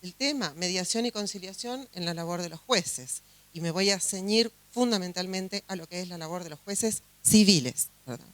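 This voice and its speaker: A woman's voice: lowish voice, moderate pace. A woman from Uruguay with a Uruguayan Spanish accent, a judge giving a chatty conference talk full of fillers and restarts. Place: conference hall.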